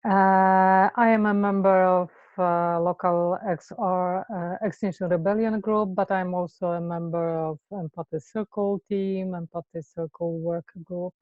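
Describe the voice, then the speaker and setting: A woman's voice: fairly low pitch, fairly even intonation, unhurried, hardly any pauses, no room sound, phone-quality sound. A woman with a Polish accent leading an online group call, speaking hesitantly with many fillers. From Poland. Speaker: facilitator. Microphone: video call.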